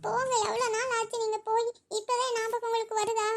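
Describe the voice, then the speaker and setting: A woman's voice: little pitch movement, faint music behind. A woman voicing a young pregnant wife in a cartoon, longing for her husband who has been away. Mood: longing, teasing. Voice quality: very high and quick. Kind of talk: cartoon voice acting.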